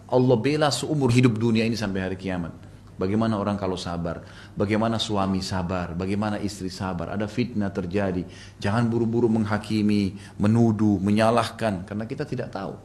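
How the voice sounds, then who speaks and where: A male preacher tells a religious story in the easy, chatty tone of a study session. He talks to his audience plainly, sprinkling in casual filler words, with a mid-range voice. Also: mid-range voice.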